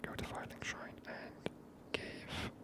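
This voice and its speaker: Casting: hushed ASMR game streamer, whispered delivery throughout, unvoiced and soft. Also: unhurried.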